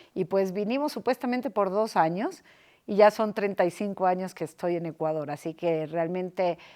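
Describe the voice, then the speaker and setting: In a dark, mellow tone, a woman talks at a moderate pace with ordinary pitch variation. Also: medium pitch for a woman, very clean recording, silent background. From Argentina. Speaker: director of a sustainability business association. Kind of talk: interview.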